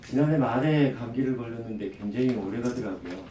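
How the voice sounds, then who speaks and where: A man with a head cold gives a formal, measured press briefing as a government official, reading out official plans. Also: mid-range voice. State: has a lingering cold. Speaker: government official, city bureau director. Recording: roomy distant microphone, faint background noise.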